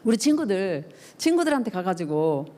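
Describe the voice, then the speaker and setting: A woman's voice: mid-range voice, sing-song, normal speed, dark tone. A middle-aged woman pastor preaching to a youth service, asking the young listeners questions and acting out the voices she quotes. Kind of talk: youth sermon. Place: church service.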